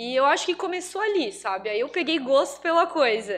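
A woman speaks with a bright, sharp tone and lively intonation. Light background noise can be heard. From Brazil, interior of Paraná. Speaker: branding consultant; podcast guest. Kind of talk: casual interview. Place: studio. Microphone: studio mic.

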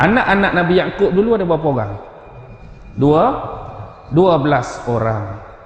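Over noticeable background noise and audible room echo, a man with a fairly high pitch talks at a moderate pace, with very wide pitch swings and long, frequent pauses. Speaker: Islamic preacher. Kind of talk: religious lecture. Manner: animated.

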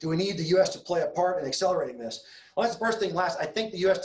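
With an American accent, a man speaks at a high pitch with ordinary pitch variation, against a quiet background with audible room echo. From Texas. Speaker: energy market expert. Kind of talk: live webinar briefing. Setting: video call. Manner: fast talker. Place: office.

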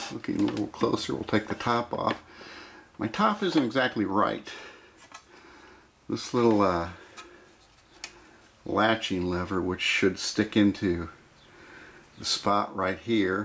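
With light background noise, a man speaks at a fairly low pitch with ordinary pitch variation and long, frequent pauses. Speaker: collector demonstrating a device. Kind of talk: product demonstration. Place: home room. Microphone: camera far.

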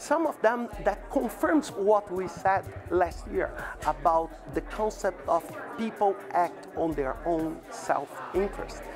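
With music in the background, a man speaks at a very slow pace. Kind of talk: interview answer. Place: hall. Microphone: lapel.

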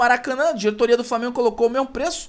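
A man speaks at a very fast pace in an extremely high voice. His tone is animated. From Brazil. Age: 40s. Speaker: football YouTuber. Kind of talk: sports news commentary. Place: home room. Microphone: studio mic.

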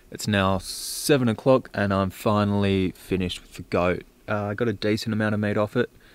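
In a normal speaking voice, a man talks at a fairly low pitch with fairly even intonation and a dry sound with no echo. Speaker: hunter vlogger. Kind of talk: casual vlog chat. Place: forest. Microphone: phone near.

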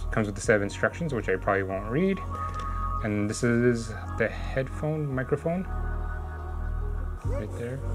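The speaker goes at a moderate pace with long, frequent pauses. Clear music plays in the background. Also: man. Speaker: product reviewer. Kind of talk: unboxing commentary. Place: home room.

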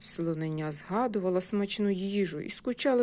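A natural voice reading text aloud

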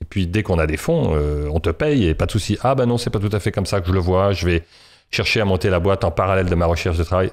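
A man talks at a very fast pace in a very deep, low pitch with ordinary pitch variation. The background is quiet. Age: 50s. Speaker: entrepreneur, company founder; guest. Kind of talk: interview conversation. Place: studio. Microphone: studio mic.

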